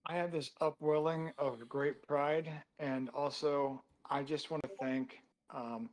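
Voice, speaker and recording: A man who won a caption contest, giving a deadpan, sarcastic mock acceptance speech. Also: a little high, slow pace, poor audio. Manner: dry sarcastic humor. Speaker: contest winner guest.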